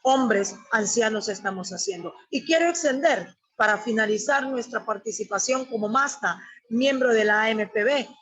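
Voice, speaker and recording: A woman's voice: fairly high pitch, normal speed, fairly bright tone, husky. A woman from la Mosquitia in Honduras, speaking as an Indigenous organization's representative in a formal, emphatic webinar address full of long lists. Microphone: webinar audio feed. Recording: dull lo-fi webinar audio.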